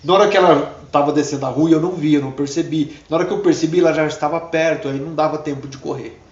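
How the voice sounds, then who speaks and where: A male pastor preaches a fervent, emotional testimony in a fairly high voice. He sounds far from the mic, his words ring through a roomy, echoing space, and the recording is dull and muffled. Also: steady tone, fast talker. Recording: distant, echoey, dull.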